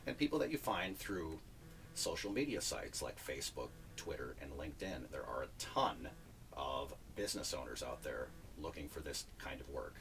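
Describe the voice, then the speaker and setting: A man's voice: very deep voice, sing-song, normal speed, creaky, fairly bright tone. A man who coaches voiceover talent, chatting casually and joking in an interview. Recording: distant mic with faint ambience.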